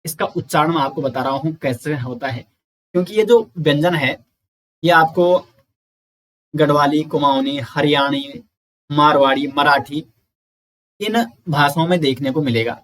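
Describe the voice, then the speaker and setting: A man giving an exam-prep lecture, explaining slowly, repeating sounds and counting aloud. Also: on the high side, a bit bright. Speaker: teacher.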